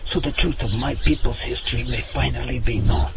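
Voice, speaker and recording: An actor playing a solemn Native American man, a spiritual guardian who speaks in formal, measured phrases in an audio drama. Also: medium pitch, heavy background noise, natural voice. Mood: dignified, guarded.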